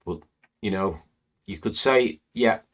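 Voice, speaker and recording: A man with a very low, deep voice talks through market charts on a live stream. His voice is croaky and slightly hoarse. He rambles casually, leaning on "you know" between thoughts. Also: animated, slow pace. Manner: conversational, rambling, many "you know" fillers. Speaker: trading educator hosting live stream. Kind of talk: live market screening commentary.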